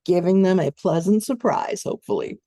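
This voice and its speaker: A woman coaching voice-over students in an online training session, explaining in a steady conversational way. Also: fairly low pitch, moderate pace, dry recording, clean studio sound.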